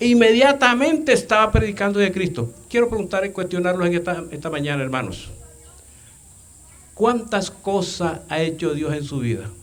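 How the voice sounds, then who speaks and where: In a room with audible echo, a high-pitched man speaks with very wide pitch swings. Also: moderate pace. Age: 70s. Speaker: pastor. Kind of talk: sermon. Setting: church.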